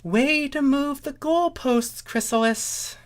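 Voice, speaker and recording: A woman's voice: high-pitched, slow, soft background music, pitched above the performer's own voice. A woman playing a snide female cartoon pony, scolding and sardonic, in a comic story reading. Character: snide female pony, blunt, muttering critic.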